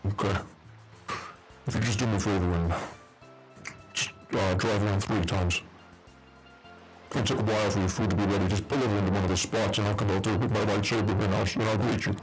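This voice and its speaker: A man putting on a deep, menacing male villain voice, talking in low, slow mock-menace. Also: fairly even intonation, breathy edge, faint music behind, low-quality recording. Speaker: streamer.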